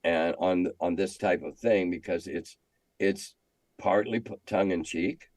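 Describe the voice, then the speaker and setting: A man's voice: sits low, a little slow, a little mellow, no echo. An older man telling stories casually in an interview as a veteran game master, talkative and salty with dry humor.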